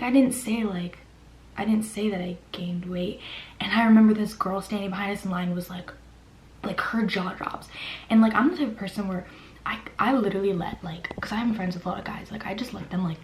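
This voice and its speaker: Young woman whispering, chatty, says like a lot, roomy echo. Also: medium pitch. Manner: whispering, chatty, lots of "like" fillers. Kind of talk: whispered personal storytime. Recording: echoey room with faint hiss.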